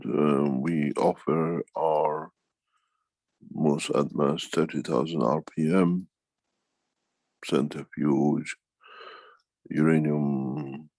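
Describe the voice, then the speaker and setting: A man giving an unscripted answer in a meeting, halting yet emphatic, often repeating phrases for weight. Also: extremely low pitch, vocal fry, darkish tone, no room sound. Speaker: foundation speaker answering questions. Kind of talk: unscripted talk, answering a question in an online meeting.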